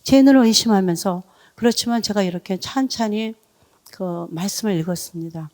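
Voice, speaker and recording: A woman's voice: medium pitch, normal speed, a little mellow. A middle-aged woman, a deaconess, tells her story as a testimony at a church revival, reaching out to the congregation. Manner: emotional storytelling, leads congregation in reading.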